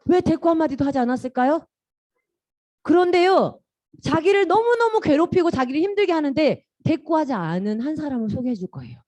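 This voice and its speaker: Animated woman preaching to children. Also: a little fast, dry recording. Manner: animated storytelling with questions to children; drops soft and low at ends of phrases. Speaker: children's ministry teacher. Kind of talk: children's sermon.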